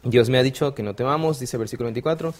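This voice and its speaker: A young man from Mexico, a theology student, retelling a Bible passage in relaxed conversation with frequent fillers. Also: mid-range voice, rapid-fire. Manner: thoughtful, frequent fillers like "este" and "¿no?". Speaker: theology student, panel guest.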